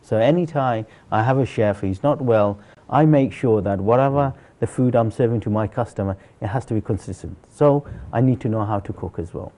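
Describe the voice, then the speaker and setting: A man's voice: mid-range voice, brisk, few pauses, dark tone. A middle-aged man from Bangladesh telling his own story earnestly as an interview guest, with emphatic, repetitive phrasing. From Sylhet, Bangladesh. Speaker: interview guest, celebrity chef. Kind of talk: conversational personal storytelling in an interview.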